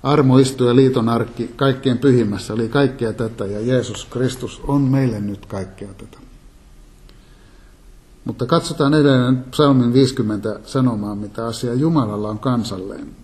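A man giving a calm, measured Bible teaching sermon, reading and explaining scripture. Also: medium pitch. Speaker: preacher.

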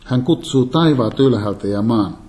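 A man giving a calm, measured Bible teaching sermon, reading and explaining scripture. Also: medium pitch. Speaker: preacher.

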